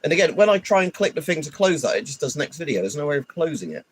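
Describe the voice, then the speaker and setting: A man's voice: a little high, sing-song, fast, slightly rough. A man rambling and grumbling through a casual live stream, stuffy with hay fever and swearing often. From United Kingdom. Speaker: livestreamer.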